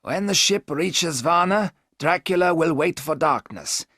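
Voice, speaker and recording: A man playing an older professor in a storybook, firm and measured as he lays out his plans. His pitch sits a touch above the narrator's own and moves lively. The sound is dry and close. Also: no echo, full character voice.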